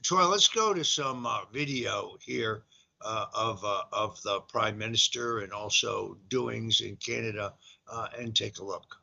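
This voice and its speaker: An older man hosting a talk show, speaking in a measured, hesitant way with fillers. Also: lowish voice, gravelly, pushed and bright. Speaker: host. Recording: dull lo-fi audio.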